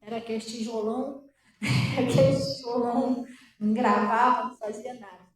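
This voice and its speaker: A woman pastor with a Brazilian Portuguese accent giving her testimony as a sermon, conversational and animated, often asking the congregation questions. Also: a little high, normal speed, soft background music. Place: church hall. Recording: echoey room, voice far from mic.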